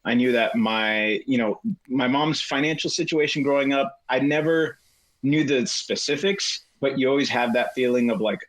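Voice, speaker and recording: A man's voice: mid-range voice, normal speed, dry recording, poor audio. Rambling, hesitant middle-aged man. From United States. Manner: rambling, hesitant, many fillers. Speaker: guest. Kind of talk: casual chat.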